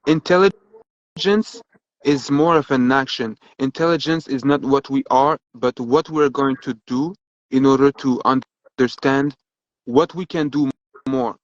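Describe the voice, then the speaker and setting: A man's voice: mid-range voice, a little slow, no echo. Guy rambling philosophically, lotsa ums, muffled dry sound. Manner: hesitant, many ums and uhs, philosophical. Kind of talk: casual conversation.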